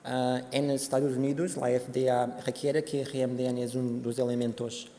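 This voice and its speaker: A Portuguese man giving a conference presentation in Spanish with a Portuguese accent, speaking haltingly with many fillers and restarts. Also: medium pitch, level tone, warm tone. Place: conference hall. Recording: hall reverb, faint background noise.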